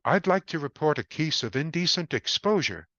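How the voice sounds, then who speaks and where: Casting: man playing panicked suburban homeowner, shrill and frantic, dull lo-fi recording. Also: expressive, moderate pace, fairly bright tone, no room sound. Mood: awkward. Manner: shrill, desperate, raised voice.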